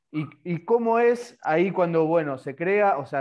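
A man speaks with a Rioplatense accent. His pitch varies in an ordinary way. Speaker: radio host. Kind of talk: interview. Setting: video call. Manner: loud.

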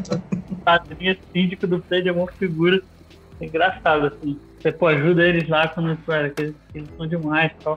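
Over music in the background, a man talks at a fairly quick pace in a fairly high pitch. His intonation is monotone and flat, while his loudness swings a lot. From Rio de Janeiro, Brazil. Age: 40s. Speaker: skateboard graphic designer and skater. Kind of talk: casual interview chat.

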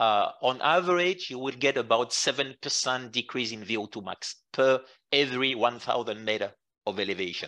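In a quiet setting, a man talks at a medium pitch with ordinary pitch variation and a bright, sharp tone. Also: moderate pace. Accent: French. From France, Jura mountains. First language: French. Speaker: professor of exercise physiology. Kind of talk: interview.

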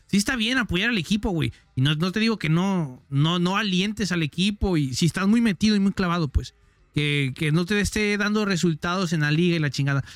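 With music in the background, a man with a high voice talks at a fairly quick pace and with lively intonation, the sound dry and close with no echo. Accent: Mexican. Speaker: podcast host. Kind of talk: casual chat.

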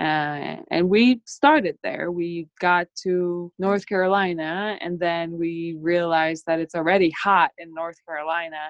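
With a slight Polish accent, a woman speaks fairly slowly at a fairly low pitch, her intonation fairly even, hardly any pauses, and big swings in loudness. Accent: light Polish. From Poland. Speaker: full-time RV traveler. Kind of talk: casual interview.

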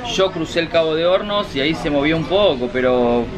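Over noticeable background noise and audible room echo, a man speaks at a moderate pace with ordinary pitch variation. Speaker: travel blogger. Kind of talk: casual chat. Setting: onboard cruise ship lounge.

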